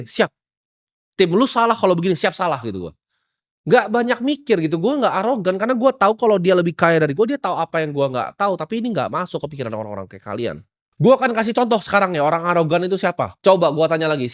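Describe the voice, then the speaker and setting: A man's voice: fairly high pitch, dry recording. A young man from Indonesia lecturing viewers on money in a blunt, scolding, boastful way, recorded close and dry. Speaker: investor giving advice.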